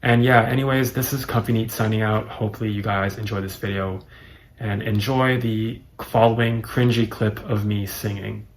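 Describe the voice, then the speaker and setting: A man in his late twenties with a raspy voice, rambling hesitantly and running himself down in a solo vlog, with many fillers. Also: lowish voice, steady tone, moderate pace. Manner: hesitant, self-deprecating, full of fillers. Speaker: YouTuber. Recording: echoey room, faint music behind.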